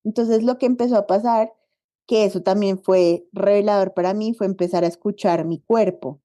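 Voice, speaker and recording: Woman, podcast guest; relaxed, mellow voice, chatty and expressive. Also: medium pitch, normal speed. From Colombia. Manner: animated storytelling, acts out quoted dialogue. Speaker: podcast guest, body diversity activist. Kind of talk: casual conversational interview.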